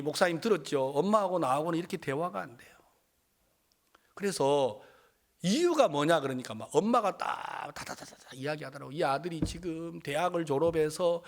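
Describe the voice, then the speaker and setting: Animated Korean-speaking pastor. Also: male voice, moderate pace. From South Korea. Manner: animated, acts out quoted voices with big pitch jumps. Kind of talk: storytelling sermon.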